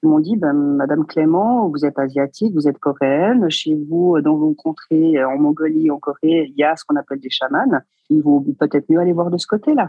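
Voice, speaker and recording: With hardly any pauses, a woman speaks at a moderate pace in a very deep, low pitch with ordinary pitch variation. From Switzerland (French-speaking), born in South Korea, adopted at 7. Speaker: shaman. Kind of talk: interview.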